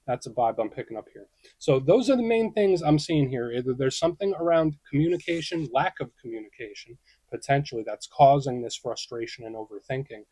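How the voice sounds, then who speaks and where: Young male tarot reader, casual and reassuring, thinks out loud, dry untreated room. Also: medium pitch, brisk, husky, no room sound. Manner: chatty and reassuring, thinks aloud with acted-out inner questions. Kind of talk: casual tarot reading to camera.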